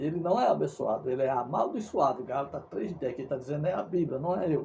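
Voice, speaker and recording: This man has a plain, everyday voice, pitched fairly high. He speaks at a fairly quick pace with ordinary pitch variation. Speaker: evangelical preacher. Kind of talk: preaching monologue.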